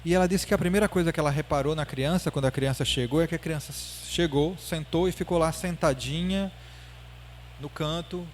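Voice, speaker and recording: A man gives a public lecture at a spiritist center, telling a story with animated emphasis and frequent check-ins with his listeners. His voice sits a little high for a man. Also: slight background noise.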